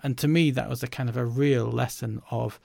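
Gravelly man, chatty and reflective. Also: medium pitch, steady tone, fairly quick, dark tone, dry recording, clean studio sound. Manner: chatty, reflective, with fillers like "you know". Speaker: learning and development professional. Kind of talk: casual conversational chat.

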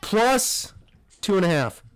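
A man's voice: high-pitched, sing-song, slow pace, clear, resonant tone, dry recording. A man co-hosting a podcast, chatting casually about sports in a rambling, self-correcting way. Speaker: podcast co-host.

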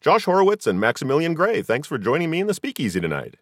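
A man's voice: fairly high pitch, wildly swooping pitch, fast, no echo, clean studio sound. A middle-aged American man hosting a casual conversational interview. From Southern California, US. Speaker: podcast host.

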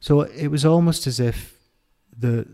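A middle-aged man with an Irish accent, talking candidly as an interview guest, reflective and halting with many restarts. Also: a little high, dark tone.

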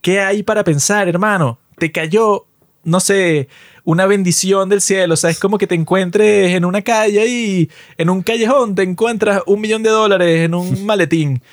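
A man's voice: moderate pace, no echo, studio quality. A man co-hosting a casual chat show, retelling scenes animatedly and acting out the characters. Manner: animated retelling, acts out scenes with raised pitch. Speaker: podcast co-host.

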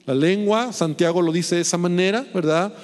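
A man's voice: high-pitched, moderate pace, darkish tone, long reverb tail. A middle-aged man preaching a sermon, chatting with the congregation and checking in with constant tag questions.

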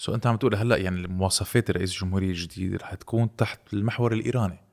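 Rapid deep-voiced Lebanese host. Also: male voice, steady tone, gravelly, a little mellow. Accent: Lebanese Arabic. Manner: probing questions, mixing in English words. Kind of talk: casual interview.

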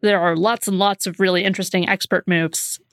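A woman's voice: on the low side, fairly even intonation, no room sound, studio quality. Chatty woman playing a tabletop game. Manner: chatty, laughs often, halting fillers. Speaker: player. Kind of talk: casual tabletop game chat.

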